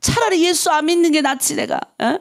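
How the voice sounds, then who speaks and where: A middle-aged woman pastor delivers a dawn prayer sermon in a high-pitched voice. Her voice carries a gravelly, fry-laden edge. She preaches emphatically, mixing rhetorical questions with stories from her own life. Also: fairly quick.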